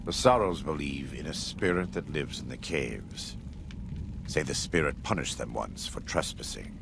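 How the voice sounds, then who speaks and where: A man playing a grave tribal war leader in a video game, speaking in a measured, formal way with a gravelly voice. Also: rumbling low, expressive, background noise, exaggerated voice. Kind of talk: video game cutscene dialogue.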